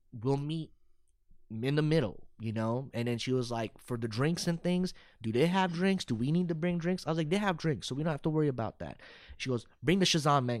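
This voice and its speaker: A man with an American accent has a normal speaking voice, pitched fairly high. His intonation is lively and his pace fairly quick. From North Texas (Dallas-Fort Worth area), Pakistani family. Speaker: visual artist. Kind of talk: interview.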